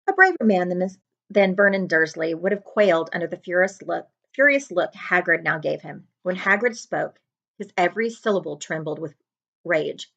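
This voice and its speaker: A woman librarian reading a chapter book aloud to children in an expressive storytelling style. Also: fairly low pitch, normal speed, creaky. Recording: slightly dull lo-fi home recording.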